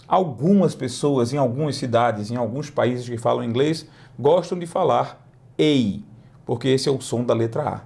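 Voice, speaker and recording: A man teaching an English lesson, with slow, drawn-out model pronunciations between quick explanations. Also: on the high side, vocal fry, mellow. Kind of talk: lively language lesson.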